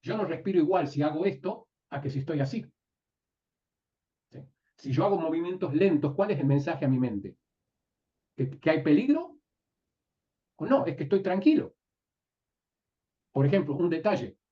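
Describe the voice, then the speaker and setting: A man teaching a live class, often pausing to ask his students whether they follow. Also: fairly high pitch, expressive. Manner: asks the class frequent checking questions. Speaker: NLP teacher. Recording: distant, dull lo-fi room recording.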